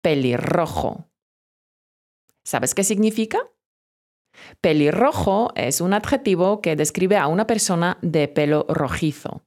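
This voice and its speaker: A woman giving a scripted vocabulary lesson, drilling pronunciation slowly and encouraging the learner directly. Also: on the low side, animated, darkish tone. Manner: slow, careful pronunciation drills. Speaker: Spanish teacher.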